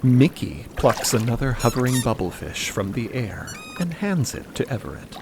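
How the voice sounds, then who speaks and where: A man narrating an audio drama in a scripted, literary and expressive storytelling style. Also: mid-range voice, normal speed, background noise.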